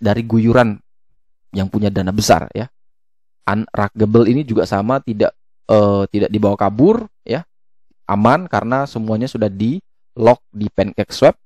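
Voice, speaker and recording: A man's voice: lowish voice, darkish tone, no echo. A man giving a casual explainer as an online video host, often hesitating and correcting himself as he goes. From Indonesia. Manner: halting, with frequent hesitations and self-corrections. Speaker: YouTube host explaining crypto tokens. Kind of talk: casual explainer, walking through a web page.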